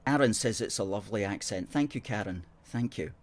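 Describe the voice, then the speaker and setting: Middle-aged scottish guy hosting a live chat, lowish voice, dry jokey replies to comments. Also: a little fast. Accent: educated Scottish. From born in Hong Kong. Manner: chatty, sardonic, reads out comments and replies. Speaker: host. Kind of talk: livestream chat reading viewer comments.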